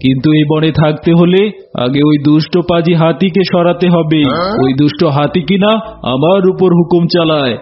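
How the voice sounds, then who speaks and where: A sly, boastful old cartoon tiger played by a man, theatrical and two-faced in how he talks. The voice sits a little high for a male. The sound is slightly dull, with soft music underneath. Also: normal speed, close to an everyday voice. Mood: gloating. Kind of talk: cartoon voice acting. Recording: muffled audio with music bed.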